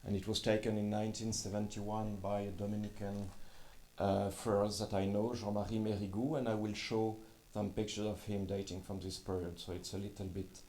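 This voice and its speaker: Male French-accented speaker, lower voice, formal conference address in a second language. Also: flat delivery, moderate pace, dark tone, slight background noise. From France. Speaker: journalist and scholar speaking at a conference. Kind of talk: prepared conference talk.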